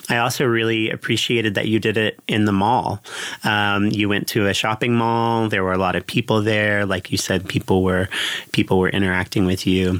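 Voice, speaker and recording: With an unremarkable speaking voice, a man talks at a moderate pace and fairly low pitch. His loudness is very even and his intonation fairly even. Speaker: interviewer, humanities instructor. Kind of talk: interview conversation.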